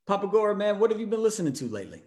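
A man hosting a podcast, asking his guests relaxed questions in easy, casual chat. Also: high voice, very fast. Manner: easygoing, asks relaxed questions. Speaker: podcast host.

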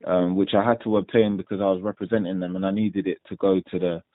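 Heard on a dry, tinny phone line with no room sound, a young man answers interview questions fast in a low, flat voice. He's a professional boxer from London with a London accent, and his replies are laid-back and rambling, full of fillers.

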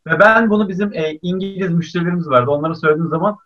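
A man's voice: high-pitched, very fast, dull audio. A man hosting a casual group chat, telling stories and laughing along. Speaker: host.

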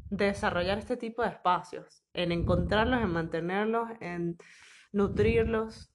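A woman's voice: medium pitch, a little slow, a little hiss or hum. Woman cohosting a chatty podcast, playful, teases her friend. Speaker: podcast co-host. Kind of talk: casual podcast chat.

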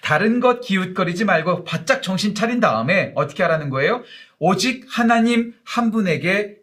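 A male pastor giving a morning devotional sermon, emphatic and speaking directly to his congregation, slowing down to stress key words. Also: high-pitched, animated, a bit bright.

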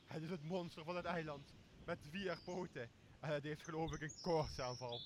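A man's voice: a little high, fairly even intonation, normal speed, slight background noise, close to an everyday voice. A young man playing a boozy, blustering, greedy castaway in a Shakespeare radio play, with a coarse and bossy manner. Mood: scheming. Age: young adult. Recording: clear outdoor nature sound behind voice.

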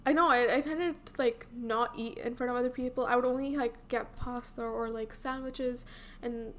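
She is a young adult woman from India, and a light Indian accent colours some of her words. She rambles in a relaxed, chatty way, with "like" in nearly every phrase. Her voice sits a bit high for a woman. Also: moderate pace, a little hiss or hum. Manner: chatty, filler-heavy, many "like"s and restarts. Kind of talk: casual personal chat.

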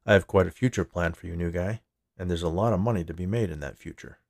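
A powerful, smug chief executive, acted out by a male storyteller, speaks with cool condescension and menace. The voice is low and gravelly, commanding in delivery, in a very dry recording. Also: quick pace, darkish tone, no echo. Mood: smug, assured.

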